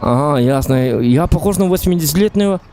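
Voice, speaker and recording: Lively, higher-voiced man streaming a game. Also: fairly quick, a crowd in the background. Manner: playful, inquisitive, repeats himself. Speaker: live streamer role-playing in an online game. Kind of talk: casual improvised in-game chat.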